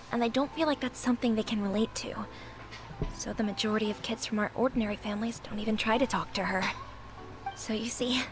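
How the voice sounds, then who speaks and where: A woman's voice: on the high side, close to an everyday voice. A woman voicing a chatty restaurant keeper. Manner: chatty, confiding, gossipy. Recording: game audio with music behind.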